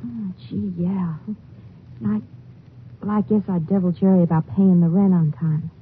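An anxious, folksy young wife, tinny radio. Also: female voice, lowish voice, fairly even intonation, normal speed, slightly rough. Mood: worried, sheepish. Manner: hesitant, folksy, apologetic. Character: young, anxious small-town wife and new mother. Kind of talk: 1950s western radio drama acting. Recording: tinny, noisy vintage radio broadcast.

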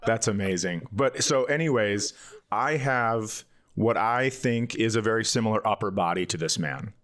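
A man with a fairly low voice chats casually as a comedy podcast host. He tells self-mocking stories in a loose, giggly way, as a comedian would with a close friend. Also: normal speed, a bit bright. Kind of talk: casual comedic banter and storytelling.

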